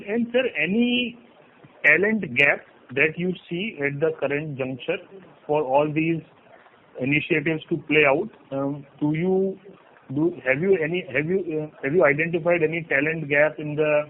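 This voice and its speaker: A man's voice: fairly high pitch, moderate pace, a little hiss or hum. A man with an Indian accent asking questions as an analyst on a conference call, polite and tentative, rephrasing as he goes. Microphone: telephone. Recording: tinny narrow-band phone line.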